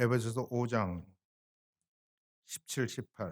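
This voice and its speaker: At a very slow pace, a man speaks at a medium pitch. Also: dry, close sound with no echo. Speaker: Korean Baptist church pastor. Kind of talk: sermon preaching to congregation.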